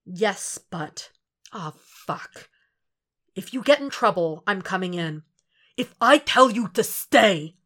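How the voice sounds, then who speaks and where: A woman voicing a stubborn, determined young man who speaks in quiet, clipped replies. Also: medium pitch, animated, unhurried. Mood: resolute.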